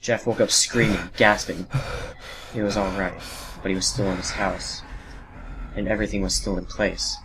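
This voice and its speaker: A man narrating a horror story in a solemn, measured, dramatic scripted style. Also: deep voice, fairly even intonation. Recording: home recording with background noise and ambience.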